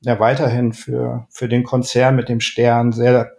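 A middle-aged man from Düsseldorf chats as a guest in a podcast interview. He talks in a loose, rambling way, full of fillers and restarts, in a voice of middle pitch. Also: completely flat delivery, measured pace, vocal fry, a little mellow. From Düsseldorf, Rhineland. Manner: chatty, many fillers and restarts. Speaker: guest, ad man and gallery owner.

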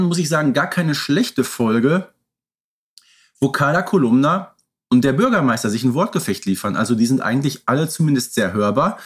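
A man's voice: a little high, breathy edge. Emphatic man co-hosting a podcast. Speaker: podcast co-host. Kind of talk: conversational podcast talk.

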